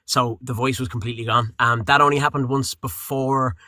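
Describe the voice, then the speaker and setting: Bright-voiced man, dry close sound. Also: mid-range voice, brisk, no room sound. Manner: rambling, relaxed, with frequent fillers and restarts. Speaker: voice actor and audiobook narrator. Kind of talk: casual interview chat.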